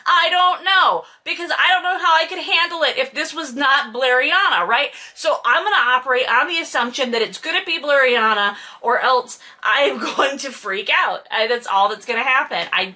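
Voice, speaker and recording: Hosting a read-through and critique of a novel, this woman has a high voice with a bright, forceful edge. Her commentary is casual and comedic, full of sarcasm, swearing, exasperation, and over-the-top exaggeration.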